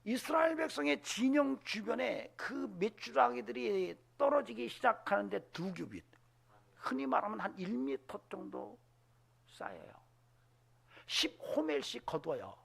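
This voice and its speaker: Animated Korean pastor with a gravelly voice. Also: male voice, sits high, a little slow. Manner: animated, acts out voices in quotes, drops to whispers. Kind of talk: sermon. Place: church sanctuary.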